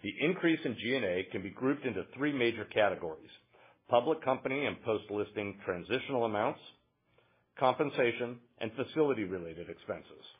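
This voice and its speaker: A man in the role of a company finance executive reads a scripted financial report in a formal, measured way. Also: mid-range voice, expressive, breathy edge. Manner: formal, measured reading of figures. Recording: muffled, narrow phone-line conference audio.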